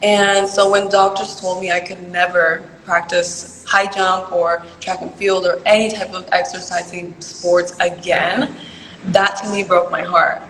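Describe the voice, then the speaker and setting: A young woman speaks in a lower register than most, chatty and earnest. Her answers lean on "like" and "you know". The recording is reverberant, with a long hall tail. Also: fairly bright tone, slight background noise. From born in Peru, raised in California. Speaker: pageant contestant interviewee. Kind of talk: casual interview answers. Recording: echoey room with long reverb.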